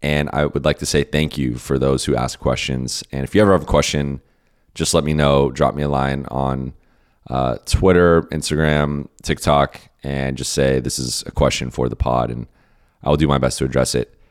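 A hoarse, worn-out man hosting a solo podcast, answering listener questions in a rambling, casual way with many restarts. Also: a bass voice, fairly even intonation, moderate pace. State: hoarse, lost his voice and tired. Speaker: podcast host and basketball beat writer.

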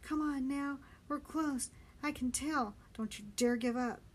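A woman voicing a gruff, bossy, teasing man with a hoarse voice and slangy, needling orders, in a story reading. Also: high-pitched, normal speed, slight background noise, voice pushed up. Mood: goading, urgent.

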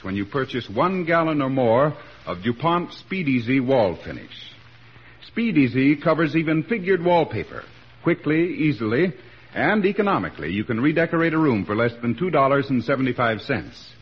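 A man reading a 1940s radio commercial as a brisk sales pitch, on a muffled old broadcast recording. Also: big pitch swings, husky. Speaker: commercial announcer.

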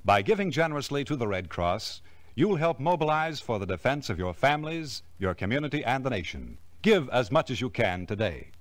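A man's voice: mid-range voice, very animated, a little fast. A man delivering a scripted public appeal as an announcer on vintage radio.

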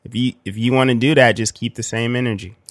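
A man's voice: medium pitch, fairly even intonation, fast talker, no room sound. A man co-hosting a podcast in casual chat, mostly chiming in with short, dry agreeing remarks. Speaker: podcast co-host.

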